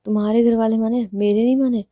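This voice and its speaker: A woman voicing a quick-tempered but loving young college woman who scolds loudly and often turns indignant. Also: a little high, little pitch movement, dry recording, clean studio sound, natural voice. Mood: affectionate.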